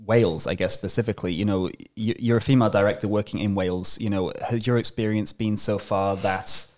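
A man's voice: lowish voice, steady tone, fairly quick, darkish tone. A young man asking interview questions, hesitant and full of ums, speaking into a studio mic with headphones. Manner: hesitant, many ums and you knows. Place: room with brick wall and lamps, indoors.

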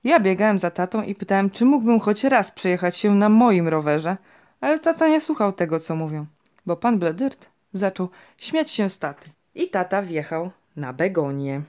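A woman narrating a children's storybook audiobook in a lively, expressive way. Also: fairly low pitch, normal speed. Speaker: audiobook reader.

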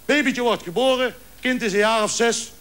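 Brief: male joke teller, high-pitched, acts out every character in his stories. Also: normal speed, clean tone. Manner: lively storyteller acting out dialogue. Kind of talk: stand-up joke telling.

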